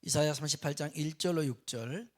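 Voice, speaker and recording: A middle-aged man preaching a sermon as pastor, telling stories in a lively way and acting out the people in them. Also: fairly high pitch, a little fast. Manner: lively storytelling, acting out characters. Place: church sanctuary.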